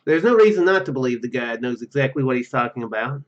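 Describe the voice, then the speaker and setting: A man's voice: medium pitch, lively intonation, fast talker, dull audio. A man hosting a gaming video, reading game text aloud and commenting as he plays.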